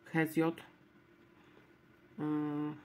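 A woman casually commenting as she scratches word-game lottery tickets, spelling out letters one at a time in a low-key murmur. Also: monotone, extremely slow, a little mellow. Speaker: lottery scratch-card vlogger.

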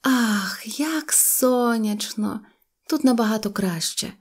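A woman's voice: fairly high pitch, slow, breathy edge, voice pushed up. A woman voicing a prim little girl kitten in an audio storybook, pleading and indignant. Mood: wistful. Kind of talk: storybook character voice.

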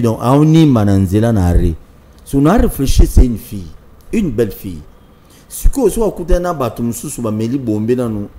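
A middle-aged Congolese man hosting a TV talk show, speaking in a calm, measured way in French and Lingala. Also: medium pitch. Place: TV studio.

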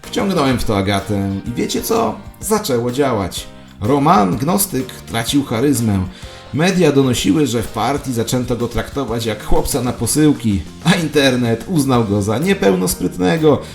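A man's voice: mid-range voice, animated, moderate pace, gravelly, pitched above the performer's own voice. A man playing a paranoid, self-important conspiracy believer, telling his saga in a dramatic, confiding way as satirical audio drama narration. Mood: excited, smug. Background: music.

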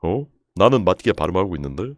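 A young man live-streaming, ranting in exasperation and going over the same point again and again with sudden shouts. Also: low-pitched, very animated, fast, dry recording, clean studio sound. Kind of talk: casual live-stream rant.

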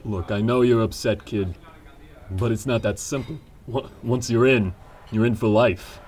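Man doing a gruff crime boss, low voice, calm, commanding, dismissive, radio play. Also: measured pace, slight background noise, natural voice. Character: gruff older male crime boss Frank. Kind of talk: amateur radio drama.

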